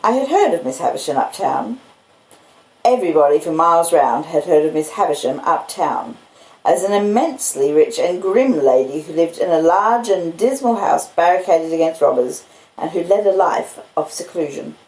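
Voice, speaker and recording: A woman's voice: on the low side, lively intonation, moderate pace, a little mellow, echoey room, poor audio. A woman with an Australian accent reading a classic novel aloud as scripted storybook narration. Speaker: audiobook reader.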